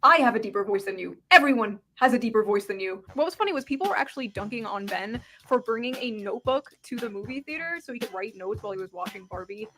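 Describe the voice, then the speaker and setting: A woman with a high voice delivers scripted commentary from an online video. Her tone is sarcastic and deadpan, with playful asides. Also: fast, hardly any pauses. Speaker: video essayist.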